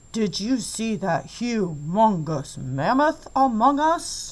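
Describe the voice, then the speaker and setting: A loud, booming, growling put-on character voice, fairly high in pitch, with very wide pitch swings at a very slow pace. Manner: exaggerated, playful.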